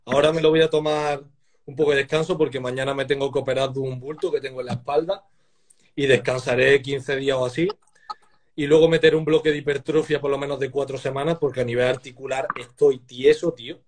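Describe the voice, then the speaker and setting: A man in his twenties from Spain, chatting casually on a live video call from a small room, relaxed and laughing often. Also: medium pitch, fast. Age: 20s. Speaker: powerlifter guest. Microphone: webcam on a video call.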